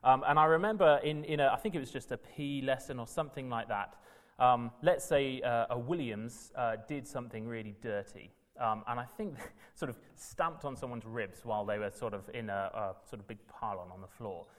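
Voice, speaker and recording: A man's voice: medium pitch, fairly quick. A man from Wales, teaching a Bible session in an earnest, emphatic way that builds in bursts. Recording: reverberant hall.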